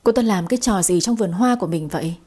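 A woman's voice: fairly low pitch, fast talker, a little mellow, breathy edge. A woman voicing a curious, easily flustered young man who owns a villa, read in a storybook audio tale. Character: young wealthy male villa owner, curious and touchy.

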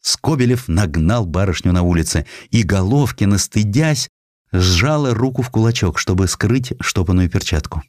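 A man reading historical sketches as an audiobook narrator, in a dramatic, expressive style with drawn-out emphasis. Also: on the low side, no room sound, clean studio sound.

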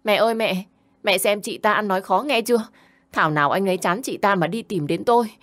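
A woman voicing a spiteful young woman, a defensive younger sister who talks in a shrill, whiny, indignant way. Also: lively intonation, normal speed, close to an everyday voice. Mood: whining.

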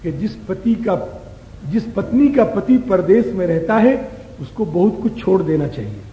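A man giving a devotional sermon, emphatic and repetitive, slowly chanting scripture verses between his explanations. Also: high-pitched, very animated, warm tone, echoey room, in a large hall, a little hiss or hum, low-quality recording. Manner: emphatic, repeats phrases for effect. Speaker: preacher giving a scripture discourse.

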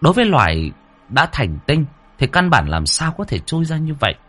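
A man narrating a scripted story with dramatic, expressive delivery. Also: a little high, normal speed, breathy edge.

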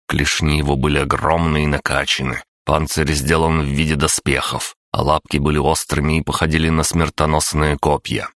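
A man's voice: very deep voice, level tone, normal speed, few pauses, fairly bright tone, dry recording. A man reading a first-person audiobook with dry, wry storytelling. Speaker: audiobook narrator.

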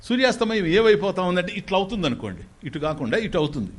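A man giving a Vedanta discourse as a spiritual teacher. He asks his listeners questions and answers them himself, and he slowly chants Sanskrit phrases. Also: sits high, animated.

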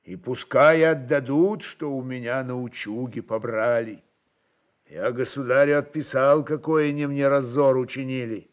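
A man's voice: medium pitch, steady tone, lightly acted. Guy doing a grumbly old bishop, pious and plaintive, drags words out, radio play. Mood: plaintive, formal. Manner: drawn-out, churchly, plaintive. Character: aggrieved old male metropolitan, pious and querulous.

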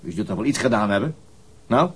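A man's voice: on the low side, lively intonation, a little fast, slightly rough. An actor playing a stern, methodical male police interrogator in a radio crime drama, with clipped, formal and insistent questioning.

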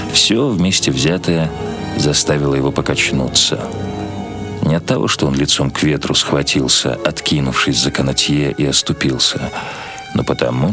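A man reading a novel for radio as an actor, with measured, expressive literary narration. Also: rumbling low. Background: music.

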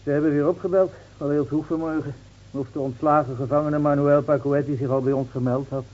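An actor playing a weary, grumbling gendarme in a radio drama, speaking flatly. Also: male voice, fairly high pitch, fairly quick, lightly acted. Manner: flat, grumbling. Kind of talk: Dutch radio drama acting. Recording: muffled, faintly noisy old radio recording.

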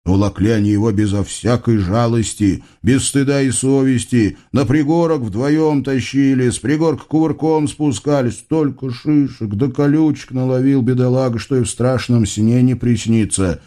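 A man's voice: medium pitch, normal speed, few pauses, mellow. A man telling a story in a playful, colorful narrating style.

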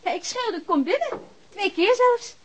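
A woman's voice: extremely high pitch, sing-song, unhurried, muffled recording, background noise, full character voice. An actress playing an unbothered, informal woman at home in a radio drama. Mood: breezy. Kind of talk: Dutch radio drama acting, conversational.

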